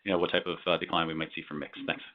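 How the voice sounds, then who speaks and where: A man with a deep, monotone voice asks questions as an analyst on a call. He talks quickly but haltingly, hedging as he goes. The sound is slightly dull. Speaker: financial analyst asking questions. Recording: dull, band-limited call audio.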